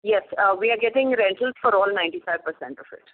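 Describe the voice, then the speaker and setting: A woman with an Indian accent answering as a company executive on an earnings call, measured and business-like. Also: medium pitch. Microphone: telephone conference call. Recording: tinny, narrow phone line.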